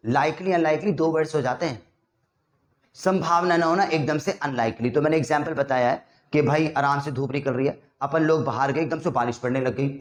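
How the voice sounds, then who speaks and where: A man in an echoey room gives a lively vocabulary lesson. His voice sits a little high for a man, and he acts out small scenes and quizzes his listeners as he goes. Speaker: English vocabulary teacher. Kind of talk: casual Hindi lesson with acted-out examples.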